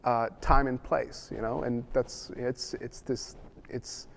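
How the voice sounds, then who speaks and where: A man's voice: mid-range voice, little pitch movement, slow pace, creaky. A middle-aged man from the Netherlands whose first language is Dutch, answering interview questions casually and rambling with many restarts and fillers. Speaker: film director.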